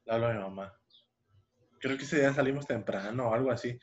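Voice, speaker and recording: Fast and medium-pitched, a young man shares a personal anecdote as a podcast co-host, wandering off track with restarts and filler words in casual storytelling. The sound is dull lo-fi.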